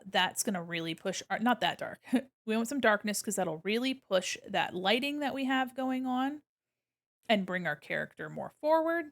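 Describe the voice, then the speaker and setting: A woman hosting a casual art livestream, explaining as she works and speaking in a gentle, encouraging way. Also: mid-range voice. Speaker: art streamer and critique host. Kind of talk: casual livestream commentary while drawing, reading chat aloud.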